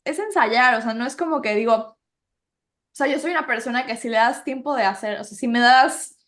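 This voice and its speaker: A woman's voice: on the high side, fairly quick, fairly bright tone. A young woman, an actress, chatting casually in an interview, rambling and correcting herself as she goes. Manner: rambling, self-correcting with many fillers. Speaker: actress and podcast host, guest.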